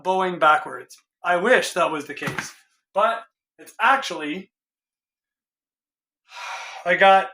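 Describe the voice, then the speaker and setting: Hoarse, puzzled guitar-tech man. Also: sits high, sharp tone. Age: middle-aged. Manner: exasperated and puzzled, thinking aloud. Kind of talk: casual vlog. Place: home guitar workshop, indoors. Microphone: camera a few feet away.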